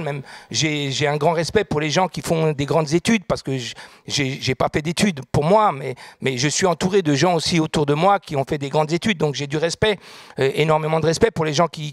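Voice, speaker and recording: A man's voice: on the high side, no echo. A middle-aged man from France, answering a studio interview with many fillers and growing earnest as he speaks. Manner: hesitant, many fillers, grows more earnest. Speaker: guest, restaurant group founder. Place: studio set with audience. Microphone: handheld mic.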